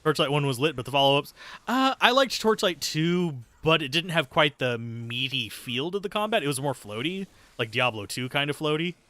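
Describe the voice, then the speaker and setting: A man's voice: on the high side, lively intonation, normal speed, sharp tone, dry recording. A man giving casual, sweary live gameplay commentary and chatting with viewers in a sardonic, self-deprecating way. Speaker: game streamer, host.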